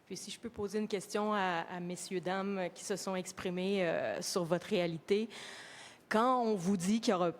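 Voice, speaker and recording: A female journalist asking measured questions at a press conference, with some hesitations. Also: mid-range voice, steady tone.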